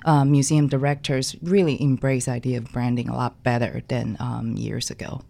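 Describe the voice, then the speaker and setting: Woman, from Taiwan, low voice, halting speech, lots of fillers, interview guest. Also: fairly even intonation, gravelly, dark tone, slight background noise. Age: young adult. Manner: halting, many fillers and restarts. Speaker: guest designer. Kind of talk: casual interview talk.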